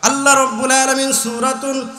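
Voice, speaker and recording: A man with a Bangladeshi accent preaching a fervent Islamic sermon, declaiming in a drawn-out sing-song way and urging his listeners on. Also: extremely high pitch, level tone, sharp tone, roomy sound, a little hiss or hum. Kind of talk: fervent Bengali waz sermon with chanted verse and recitation.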